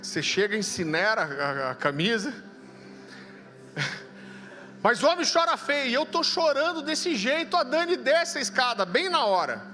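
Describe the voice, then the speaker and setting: A man in his thirties with a Brazilian Portuguese accent, a pastor preaching a sermon with humorous stories and quiet intense moments. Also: big pitch swings, normal speed. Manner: humorous storytelling, shifts to low quiet intensity. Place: large church hall. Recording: long hall reverb, faint music.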